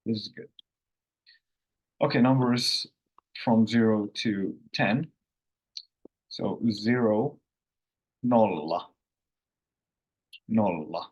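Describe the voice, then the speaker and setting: Slow low-voiced Finnish man teaching. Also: breathy edge, dull audio. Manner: unhurried, rambling with restarts and self-corrections. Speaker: language course host. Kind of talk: casual online language lesson.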